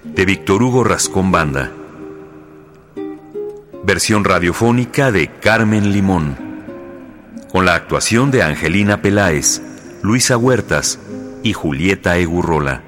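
A man's voice: low voice, lively intonation, measured pace, pauses often, fairly bright tone, soft background music. A man reading scripted titles and credits as a radio announcer.

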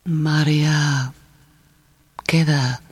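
Slow, weary migrant's wife. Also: female voice, low-pitched, fairly even intonation, darkish tone, slightly rough, heavily acted. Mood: sad, resigned. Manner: halting, fragmented, telegraphic phrases with hesitant murmurs. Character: weary, lonely Mennonite wife speaking halting broken Spanish. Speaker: actress in a radio play. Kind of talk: dramatic radio theatre monologue.

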